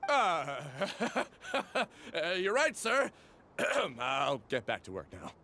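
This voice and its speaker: A man's voice: sits high, wildly swooping pitch, very slow, pushed and bright, a little hiss or hum, exaggerated voice. A man voicing a gossipy older villager in a video game, telling things with dramatic flair. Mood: nervous. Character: gossipy older villager spinning an old legend. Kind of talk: English video game voice acting.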